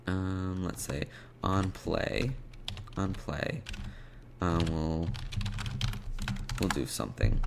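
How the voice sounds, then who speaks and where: A man's voice: deep voice, creaky. A man presenting a programming tutorial, thinking aloud in short fragments as he narrates live coding without a script. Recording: noisy, with keyboard typing and mouse clicks. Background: keyboard typing and clicking.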